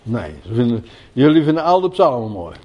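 An older man preaching a sermon, moving from quiet folksy asides to loud, emphatic repetition of key words. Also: mid-range voice, sing-song, brisk, muffled recording, slight background noise.

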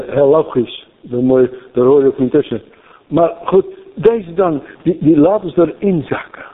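High-voiced preacher on thin radio. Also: male voice. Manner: animated, repeats phrases for emphasis. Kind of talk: storytelling sermon. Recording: thin phone-like radio broadcast.

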